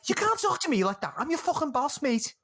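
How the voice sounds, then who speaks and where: A man's voice: very high voice, sing-song, quick pace, fairly bright tone, a little hiss or hum, voice pushed up, exaggerated voice. A man putting on a foul-mouthed Liverpool holiday camp boss who rants at the kitchen staff. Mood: ranting. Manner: ranting, sweary.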